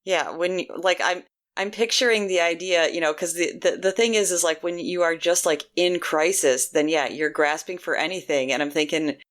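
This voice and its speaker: A woman's voice: lowish voice, normal speed. A woman co-hosting a podcast, talking in a supportive, rambling way with many restarts. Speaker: podcast co-host. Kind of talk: casual podcast conversation.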